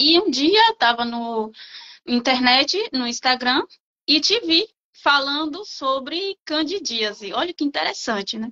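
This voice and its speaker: A woman with a high pitch projects a raised voice, bright and sharp in tone, with very wide pitch swings. She speaks at a fairly slow pace, the sound dry and close with no echo. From Bahia interior, Brazil. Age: 30s. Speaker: client sharing experience. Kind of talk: testimony.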